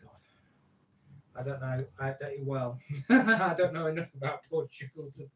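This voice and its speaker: A man's voice: medium pitch, a little slow, husky. A man chatting as co-host, dry and self-deprecating, teasing and joking. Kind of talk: casual chat.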